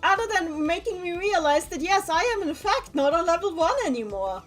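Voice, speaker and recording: A woman streaming a video game, chatting casually and reacting out loud to the characters on screen. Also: extremely high pitch, brisk, soft background music. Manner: animated, talks back to game characters, exclaims. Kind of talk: casual let's-play commentary.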